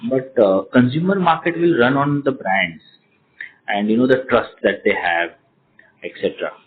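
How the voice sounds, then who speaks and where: This man, also an executive with an Indian accent, responds to investors in an earnings call question-and-answer session on a conference line. His mid-range voice is animated and moves at a moderate pace, though he hesitates and keeps repeating words and phrases. The sound is thin and tinny.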